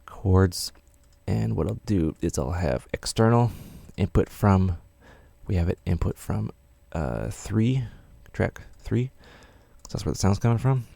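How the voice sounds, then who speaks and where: A man's voice: low-pitched, expressive, unhurried, gravelly, mellow, dry recording. A man teaching music production in a casual, rambling tutorial with many fillers.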